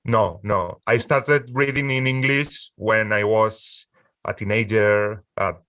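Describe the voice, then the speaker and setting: A Spanish man in his forties, a music producer speaking English as a second language in a casual interview, halting with frequent restarts and easy laughter. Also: fairly low pitch, steady tone, pushed and bright, no room sound, clean studio sound, distant mic. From Spain.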